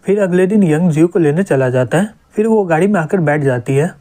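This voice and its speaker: A man with a fairly high yet soft, mellow voice narrates a manga recap. He tells it in a plain, steady way and reads out each character's lines himself. The delivery stays even throughout. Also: a little fast.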